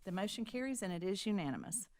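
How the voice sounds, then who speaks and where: A woman chairing a school board meeting, brisk and procedural, reading motions and calling votes. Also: medium pitch, expressive, darkish tone, dry recording.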